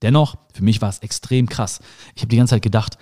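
A man in his thirties, raised in Germany, hosting a motivational podcast in an earnest, emphatic way, his pitch rising sharply on key phrases. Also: a little fast, warm tone. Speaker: podcast host. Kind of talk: motivational talk.

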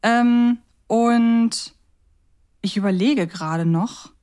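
A woman's voice: on the high side, drawn-out words, a little mellow. A woman co-hosting a podcast, chatting casually and enthusiastically as a fan of audio dramas. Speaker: podcast co-host. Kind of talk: casual chat about children's audio dramas.

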